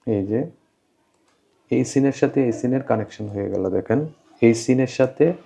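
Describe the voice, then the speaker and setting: A man's voice: medium pitch, moderate pace, vocal fry, dark tone. A man presenting an informal step-by-step tutorial, explaining plainly and repeating his instructions. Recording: dull, lo-fi voice-over.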